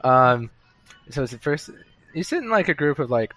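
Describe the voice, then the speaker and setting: A young man, mid-pitched, rambling through a casual podcast chat. He trips over his own words and restarts often. He is recorded at a pub table. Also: sing-song, moderate pace, fairly bright tone, faint music behind. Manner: rambling, self-interrupting storyteller. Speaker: podcast co-host. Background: bar chatter.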